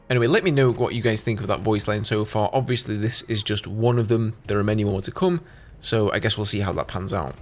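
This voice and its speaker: A man giving casual, conversational gaming news commentary as a YouTuber, explaining things as he goes. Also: on the low side.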